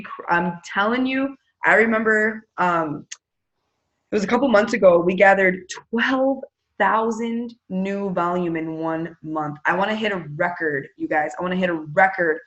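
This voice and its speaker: A woman's voice: medium pitch, fairly bright tone, lo-fi sound. A woman leading a team meeting on a video call, chatty and upbeat as she hypes up sales goals and runs prize drawings. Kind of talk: casual enthusiastic pep talk on a video call.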